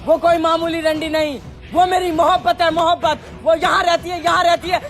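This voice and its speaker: A man's voice: very high voice, level tone, fairly quick, a bit bright. A man playing a lovesick, defiant young prince in a comedy sketch, making melodramatic declarations.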